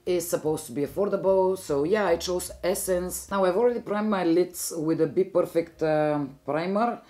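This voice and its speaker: Bulgarian-accented woman, mellow chatty voice. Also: on the low side, normal speed. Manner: chatty, rambling, self-correcting. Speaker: beauty vlogger. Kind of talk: casual makeup tutorial chat.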